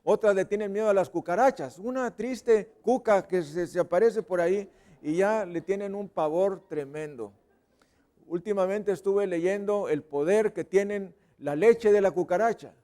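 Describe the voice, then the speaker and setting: During a church service, a pastor with a Mexican Spanish accent preaches in a high voice at a moderate pace. He's playful, acting out sounds and voices, with sudden loud bursts and moments where he drops to a whisper.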